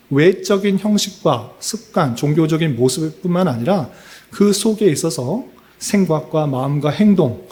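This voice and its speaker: A male pastor preaching a Bible exposition at a church prayer meeting. He puts questions to the congregation, answers them himself, and fills his pauses with short "ye" and "e" sounds. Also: on the high side, a little mellow.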